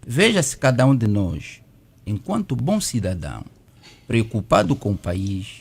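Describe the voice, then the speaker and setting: A man's voice: fairly low pitch, big pitch swings, a little slow, gravelly, darkish tone, slightly rough. A middle-aged man from Malanje with an Angolan Portuguese accent, a lawyer on a debate panel who argues persistently and keeps talking through interruptions. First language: Kimbundu.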